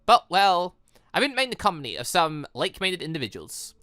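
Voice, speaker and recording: A man's voice: sits high, sing-song, a little fast, sharp tone, no room sound, clean studio sound, heavily acted. A man voicing a smug, condescending male villain in a visual novel game, with a pompous, lecturing delivery.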